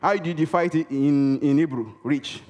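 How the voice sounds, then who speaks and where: A man's voice: a little high, moderate pace, darkish tone, dull audio. A man preaching a sermon in a church, emphatic and repetitive, calling out for responses from the congregation. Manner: emphatic, repeats key words for effect; calls for audience response. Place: church hall. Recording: reverberant hall.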